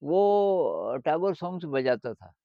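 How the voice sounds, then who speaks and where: Older man, gravelly and unhurried. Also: a little high, very animated, dry recording. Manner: unhurried, repeats words for effect. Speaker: interviewee telling his life story. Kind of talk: reflective storytelling. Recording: dry, slightly dull lo-fi audio.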